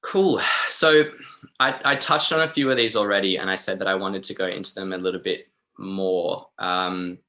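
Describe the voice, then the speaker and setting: An Australian man presenting a wellbeing webinar in an informal, chatty and encouraging way, often softening his points. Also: low voice, fairly even intonation, normal speed.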